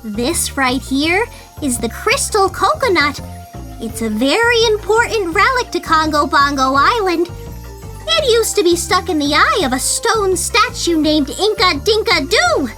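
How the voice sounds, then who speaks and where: A woman's voice: very high voice, sing-song, unhurried, music in the background, full character voice. A woman playing a peppy, helpful young female monkey tour guide in an audio drama. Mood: explaining. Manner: cheerful, explanatory. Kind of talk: audio drama character acting.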